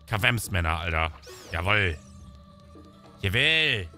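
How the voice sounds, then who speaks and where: A man's voice: low-pitched, very animated, slow pace, sharp tone, soft background music. A man doing casual gaming commentary as he plays, talking in a crude, joking, colloquial way. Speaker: co-host and player in a gaming let's play.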